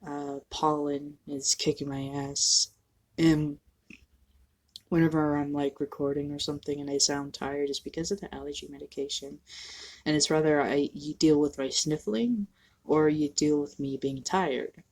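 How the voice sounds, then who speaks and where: A young trans man talking candidly to the camera in a casual home vlog, halting and self-deprecating, sniffly from allergies. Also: on the high side, steady tone, darkish tone. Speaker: vlogger. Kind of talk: casual personal vlog monologue.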